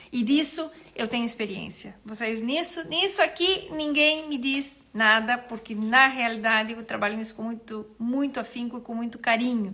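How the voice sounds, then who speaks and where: A woman with a high pitch talks at a moderate pace with lively intonation and an animated tone, leaving hardly any pauses. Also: big swings in loudness. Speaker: nutritionist. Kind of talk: live stream talk.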